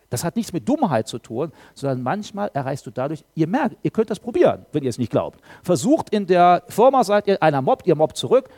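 Lively, animated German-speaking preacher man. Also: a little high. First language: German speaker married to a Frenchwoman. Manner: lively, emphatic preaching with rhetorical questions. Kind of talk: sermon.

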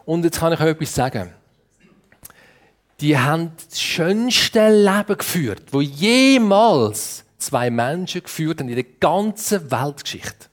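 A man with a Swiss German accent telling a Bible story to children in a playful, lively way and asking them questions. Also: a little high. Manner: playful, asks the audience questions.

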